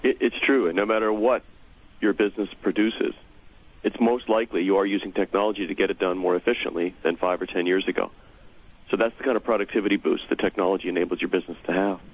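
A man's voice: sits low, steady tone, fast talker, husky. A man explaining policy points as a guest in a radio interview, over a thin phone line. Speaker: interview guest, technology trade association representative.

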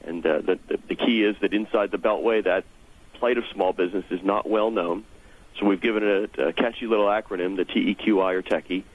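Husky low-voiced man on a phone line. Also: steady tone, fairly quick. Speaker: interview guest, technology trade association representative. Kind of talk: explanatory radio interview. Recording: thin, muffled phone line.

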